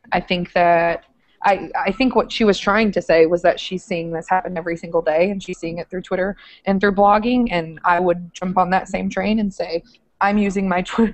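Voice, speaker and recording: A woman's voice: mid-range voice, no room sound, poor audio. A young woman teacher on a video call, talking eagerly with many filler words from a small room with bookshelves, through an earphone headset. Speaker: social studies teacher.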